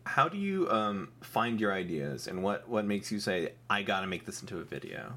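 A man's voice: fairly low pitch, sing-song, moderate pace, fairly bright tone. A male podcast host asking questions in a joking, teasing way. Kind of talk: casual podcast chat.

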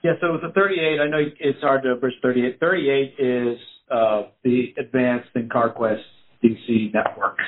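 A male executive explains company matters off the cuff in a mid-pitched voice. The line is phone-like and narrow, with faint noise behind him. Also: steady tone, moderate pace. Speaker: company executive on earnings call. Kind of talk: unscripted business explanation. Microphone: conference call line. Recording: noisy phone-like line with clicks.

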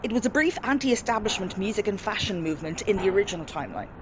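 An actress playing a dry, matter-of-fact time police officer in a comedy audio drama, explaining things plainly. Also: female voice, mid-range voice, expressive, fast talker, noisy background, natural voice.

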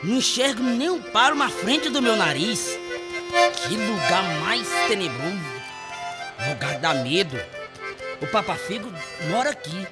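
A man's voice: high voice, sing-song, unhurried. A man playing an earnest, lovesick cowboy in a Brazilian radio play, speaking in a dramatic, pleading way. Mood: fearful. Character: earnest lovesick cowboy searching for his beloved. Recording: music behind, long reverb.

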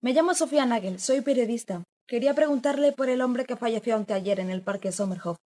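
A woman's voice: a little high, fairly quick, dark tone, close to an everyday voice. A woman playing a curious, persistent young journalist who asks polite questions. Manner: inquisitive, polite. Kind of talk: radio drama acting.

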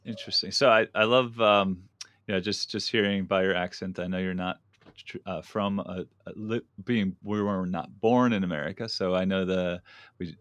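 A man hosting an interview podcast, asking questions in a halting way with many fillers and restarts. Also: low voice, fairly even intonation, a bit bright, dry recording. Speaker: podcast host. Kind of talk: casual interview.

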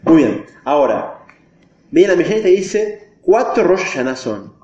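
A man's voice: on the high side, big pitch swings, unhurried, dark tone. Man, classroom teacher, quizzing students, roomy echo, dull lo-fi sound. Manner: explains step by step, quizzing the class. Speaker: religion teacher. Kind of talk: classroom lesson. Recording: echoey, dull lo-fi room recording.

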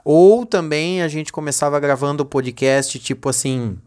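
A man hosting a casual solo podcast, rambling and joking, swinging between low mumbles and excited high bursts. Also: moderate pace, clean tone. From Brazil. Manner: rambling, joking, addresses his dog as co-host. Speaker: podcast host.

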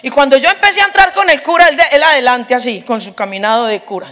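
A middle-aged woman preaches a humorous testimony in a high voice. She tells her story with lively energy and acts out the voices of the people in it. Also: fast.

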